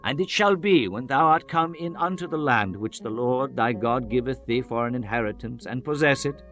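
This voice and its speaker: Male audiobook narrator for scripture: solemn, measured, declamatory, mid-range pitch, faint music underneath. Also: a bit bright. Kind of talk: dramatized scripture reading, archaic English. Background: background music.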